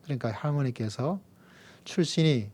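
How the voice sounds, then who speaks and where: A man from the region, preaching a sermon and telling a playful story with emphatic, drawn-out key words. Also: mid-range voice, animated, darkish tone, slightly rough. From Gyeongsang region, Korea. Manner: playful storytelling with jokes and acted-out voices. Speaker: pastor.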